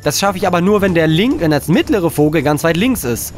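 Soft music plays in the background as a let's play host, indoors at his desk, commentates gameplay live, swearing in frustration and then settling himself down. His pitch is fairly high and he talks a little fast.

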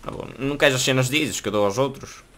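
A young man with a European Portuguese accent talks quickly through a gaming session in a bright, forward voice. He jokes with his teammate and bursts into excited shouts and swearing whenever a fight breaks out. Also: medium pitch, a little hiss or hum. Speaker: gaming video host. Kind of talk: casual gaming commentary.

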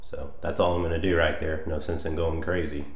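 A man's voice: a bass voice, flat delivery, a little fast, muffled recording. An American man giving a casual, matter-of-fact, explanatory walkthrough of hands-on renovation work. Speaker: home renovator, vlog host. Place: indoors, bare rooms of a house under renovation.

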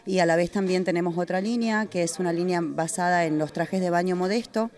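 A woman, a brand founder, answering questions in a relaxed, slightly hesitant way. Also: on the low side, fairly quick. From Argentina. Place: indoors in a busy restaurant. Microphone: handheld mic held by interviewer.

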